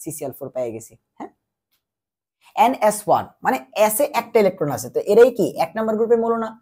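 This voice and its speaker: A man's voice: sits high, very animated, fast talker, darkish tone, breathy edge. A young man teaching chemistry while feverish, asking questions and answering them himself. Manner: repetitive call-and-answer teaching, quizzing the listener. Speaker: chemistry tutor. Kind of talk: exam-prep lecture.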